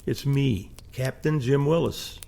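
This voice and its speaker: A man playing a folksy, easygoing police captain and caretaker in an audio drama, with a gravelly voice. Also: mid-range voice, slow, warm tone. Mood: reassuring, friendly. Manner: folksy, drawling exclamations.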